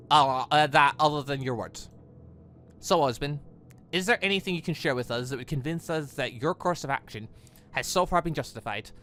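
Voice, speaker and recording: A man's voice: on the high side, sharp tone, a little hiss or hum. A man voicing a stern, angry male security chief from a visual novel, speaking in a blunt, commanding, accusatory way. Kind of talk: visual novel dialogue reading.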